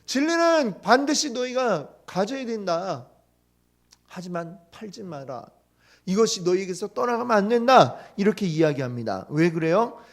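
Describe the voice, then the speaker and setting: A male pastor giving a teaching sermon in church, who often puts questions to the congregation and retells the story with lively quoted lines. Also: sits high, normal speed. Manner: asks the congregation frequent questions.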